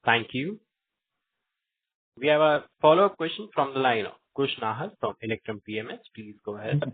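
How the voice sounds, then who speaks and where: Husky male call moderator over phone. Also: mid-range voice, brisk. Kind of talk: formulaic call announcements. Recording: narrow, distant phone line.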